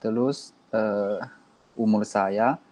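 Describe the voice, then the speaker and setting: A man of twenty-three from China, a native Mandarin speaker with a Chinese accent, haltingly introducing himself. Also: on the low side, steady tone, darkish tone. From Shandong, China.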